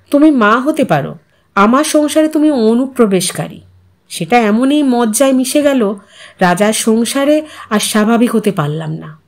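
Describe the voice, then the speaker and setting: Chatty, high-voiced older mother played by a woman. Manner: chatty, earnest, reflective. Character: talkative, content older housewife and mother in a retirement home. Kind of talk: storybook character dialogue.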